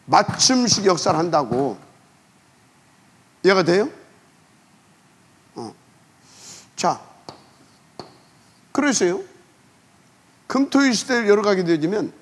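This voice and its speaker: Man, pastor, sermon, raspy voice, pitched high, emphatic questioning delivery, phrase ends dropping soft. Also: lively intonation, takes it slowly, long pauses.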